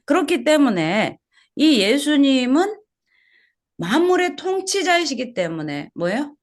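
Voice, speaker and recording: Woman pastor, sermon, swooping animated pitch, quizzes the congregation, repeats key words. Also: measured pace. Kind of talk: expository sermon. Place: small church service.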